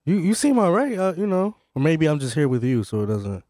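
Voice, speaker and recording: Quick, laid-back young man. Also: on the high side, big pitch swings, mellow, dry recording, clean studio sound. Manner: laid-back, hesitant, fast. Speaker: studio guest. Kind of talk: casual radio chat.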